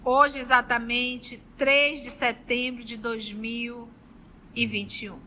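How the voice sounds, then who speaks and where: A woman leading a study group, chatting warmly and then reading a novel aloud. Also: on the high side, takes it slowly, slight background noise. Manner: warm, chatty and lively between passages.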